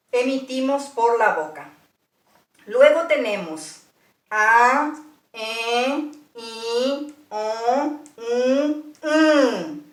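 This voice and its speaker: Woman with a Paraguayan Spanish accent, patient teacher, slightly high voice, a bit off-mic in an echoey room. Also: distant mic. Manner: slow, patient, spells out sounds one by one. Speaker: language teacher. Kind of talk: slow, deliberate language lesson.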